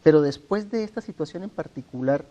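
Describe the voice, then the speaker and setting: A middle-aged man from Colombia with a Colombian accent, answering interview questions in a measured, earnest way. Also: fairly high pitch, animated, dark tone, dull audio. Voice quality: measured, earnest, formal address. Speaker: interview guest, author. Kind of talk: sit-down TV interview.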